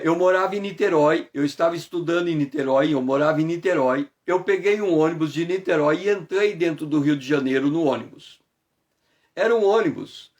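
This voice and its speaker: A man from Brazil with a fairly high voice leads a morning devotional as pastor. He speaks slowly and reflectively, stretching his phrases as he prays and tells a personal story. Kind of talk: devotional prayer and sermon.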